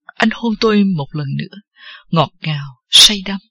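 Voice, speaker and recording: An audiobook narrator reading a first-person novel at a steady, unhurried pace. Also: mid-range voice, no room sound, highs cut off.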